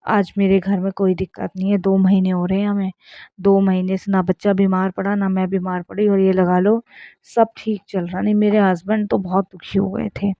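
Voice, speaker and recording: A woman's voice: mid-range voice, gravelly, dry recording. A woman in her thirties earnestly sharing a spoken devotional testimony, repeatedly addressing her listeners. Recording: dull lo-fi sound.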